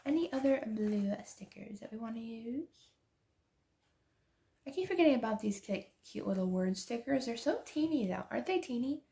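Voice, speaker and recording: A woman chatting casually while she decorates a planner, soft-spoken and drifting into whispers, laughing often, her voice hoarse as she loses it. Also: on the high side, animated, normal speed. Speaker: planner and journaling vlogger.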